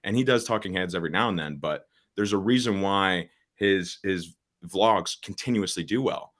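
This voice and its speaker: A young man with a very low, deep voice talks as a guest in a casual podcast interview. He is a social media coach and gets straight to the point, with plenty of fillers and restarts along the way. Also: moderate pace, fairly bright tone. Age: late teens.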